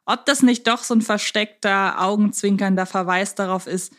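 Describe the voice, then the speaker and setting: A woman's voice: medium pitch, steady tone, normal speed. Chatty woman co-hosting a casual podcast. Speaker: podcast co-host. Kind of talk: casual chat about audio dramas.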